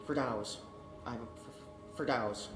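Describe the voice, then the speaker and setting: A man's voice: medium pitch, takes it slowly, close to an everyday voice. A man voicing a nervous, scared and chatty lead engineer in a video game, stammering and rambling. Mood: nervous, hesitant. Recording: game audio, echoey, music behind.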